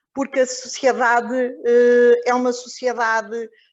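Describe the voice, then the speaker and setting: A woman's high-pitched voice. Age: 50s. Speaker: teacher. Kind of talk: panel discussion. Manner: hesitant, with frequent fillers.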